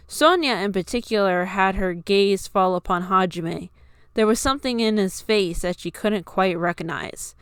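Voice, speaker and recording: A woman's voice: medium pitch, clear, resonant tone, dry recording, clean studio sound. A woman reading scripted fiction aloud as an amateur audiobook narrator.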